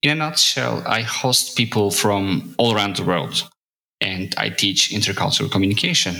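A man from Turkey, a native Turkish speaker, who explains things steadily as a podcast guest. His voice sits a little low but has a bright, forceful edge. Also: normal speed, gravelly, poor audio. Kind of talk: podcast conversation.

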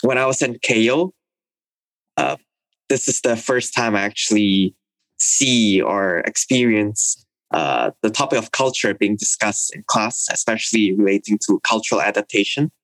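Young man from Indonesia, low voice, dry close recording, thoughtful, measured with fillers. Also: a bit bright, dry recording, poor audio. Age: young adult. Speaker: interviewee, university student. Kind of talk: recorded interview.

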